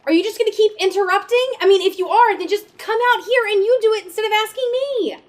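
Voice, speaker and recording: A woman's voice: extremely high pitch, fast talker. A woman playing an exasperated, sarcastic daughter in a comedic audio drama, talking casually with sardonic asides.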